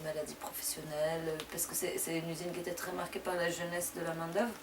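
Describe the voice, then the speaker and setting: A young woman, born in France to a Persian-speaking family, answers interview questions in a relaxed, conversational way, often pausing as she speaks. Her voice sits a little low. The mic is some way off, and a clear hum of background noise runs under everything. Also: distant mic. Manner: conversational, loosely paced with frequent pauses. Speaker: deputy mayor interviewee. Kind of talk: interview answers, personal story.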